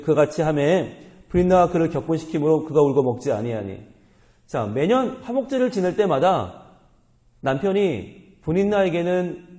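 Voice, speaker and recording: Male pastor, sermon, animated and humorous, slightly high and mellow, reverberant hall. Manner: animated, humorous, engages congregation with questions.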